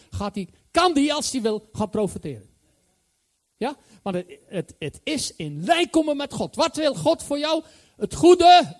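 A male preacher giving a sermon, enthusiastic and emphatic, repeating his key phrases. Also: extremely high pitch.

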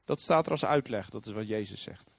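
Animated male preacher with a lively voice. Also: on the low side, fairly quick, gravelly, breathy edge, dry recording. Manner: animated storytelling, acting out quoted voices. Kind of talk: sermon.

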